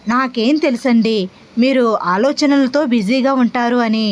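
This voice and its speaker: A woman's voice: a little high, fairly even intonation, measured pace, natural voice. A woman voicing a playful wife who teases her husband with innocent, sing-song questions. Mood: innocently teasing.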